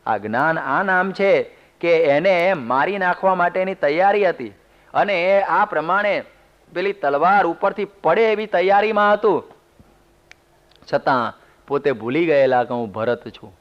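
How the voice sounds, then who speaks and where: A man's voice: a little high, lively intonation, measured pace. A man, a monk, giving a sermon, telling homely stories with humorous asides. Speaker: monk giving a religious discourse. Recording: dull lo-fi CD recording.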